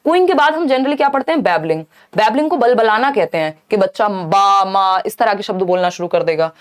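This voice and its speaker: A woman teacher giving a live online exam-prep lesson, explaining lively and often checking in with her viewers. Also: medium pitch, a little fast. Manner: mixes Hindi with English terms.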